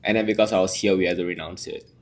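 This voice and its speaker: This is a seventeen-year-old from Singapore with a low voice and a strong Singaporean accent. As a guest he keeps his answers plain and brief. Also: steady tone, very fast. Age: late teens.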